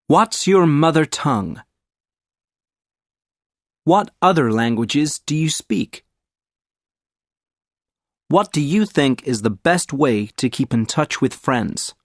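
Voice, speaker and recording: A man's voice: fairly high pitch, animated, slow pace, pauses often, no room sound, clean studio sound. Man reading exam questions plainly. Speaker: examiner.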